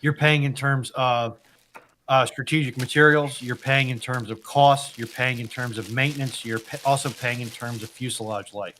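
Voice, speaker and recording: A man with a bright, forceful voice at a medium pitch joins an informal history panel. He argues his points by repeating and building on short phrases. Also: fairly even intonation, normal speed, slight background noise. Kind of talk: casual history discussion.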